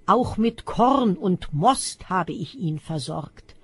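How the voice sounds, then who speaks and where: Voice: medium pitch, lively intonation, slow pace, slightly rough, no echo, exaggerated voice. Reader voicing shaken old father Isaak. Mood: grave.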